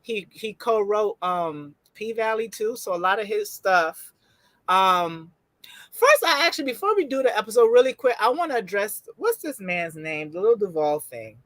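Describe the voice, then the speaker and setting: A young adult woman co-hosting a casual TV review show at home, chatty and quick to laugh, with loose slang. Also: mid-range voice, sing-song, a bit bright, dry recording.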